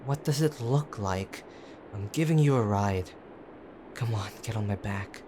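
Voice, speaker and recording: A man playing a gruff, teasing tsundere boyfriend who is frightened and tender underneath, in an intimate audio drama with brusque, halting urgency. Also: on the low side, natural voice. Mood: urgent, gruff. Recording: clear background ambient noise.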